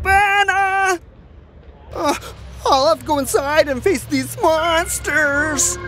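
A man performs a cartoonish character voice at a fairly slow pace over clear background noise. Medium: puppet. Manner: worried, excitable.

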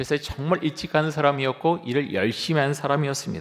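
A man with a fairly high pitch talks at a fairly quick pace. His is a plain, everyday voice. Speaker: pastor. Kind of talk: sermon. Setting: church. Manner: conversational, with filler sounds.

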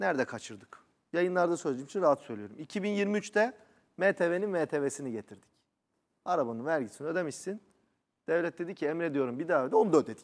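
Over a quiet background, a man speaks at a fairly quick pace in an animated tone with lively intonation. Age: 40s. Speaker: lawyer. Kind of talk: TV news interview. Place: studio. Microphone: lapel.

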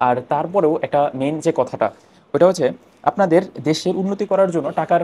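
A man with a dark, mellow tone speaks over light background noise. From Bangladesh. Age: 20s. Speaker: medical student; education commentator. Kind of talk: opinion monologue; opinion talk to camera. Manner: halting. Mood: earnest, critical. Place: home room. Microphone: lapel.

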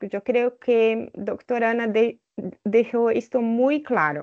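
In a Portuguese accent, a woman speaks very slowly at a fairly high pitch. The background is quiet. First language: Portuguese (speaking Spanish). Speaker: journal editor and epidemiologist; presenter. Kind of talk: lecture. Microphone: video call.

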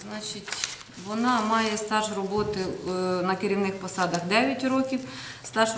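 A woman is speaking with noticeable background noise. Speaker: council staff presenting candidate documents. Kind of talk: formal committee meeting report. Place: meeting room.

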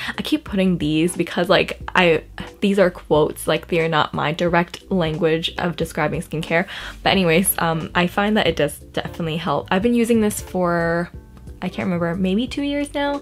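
With faint music in the background, a woman talks at a moderate pace in a fairly low voice with lively intonation. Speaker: beauty YouTuber. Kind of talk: casual talk to camera. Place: home room. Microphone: camera far.

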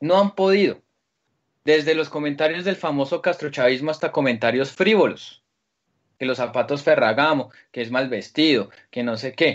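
Against a quiet background, a man speaks at a moderate pace in an animated tone with ordinary pitch variation. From southern Bogotá, Colombia. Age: 30s. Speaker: podcast host. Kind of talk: political commentary.

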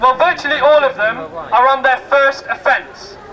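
Over light background noise, a man with a British accent uses a raised, projected voice at an extremely high pitch, speaking at a moderate pace with ordinary pitch variation. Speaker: protest speaker or activist. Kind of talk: protest speech, rally address with angry political argument. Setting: outdoors rally outside court. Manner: impassioned, forceful, sarcastic, rhetorical, repeating phrases for emphasis. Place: street. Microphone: camera far.

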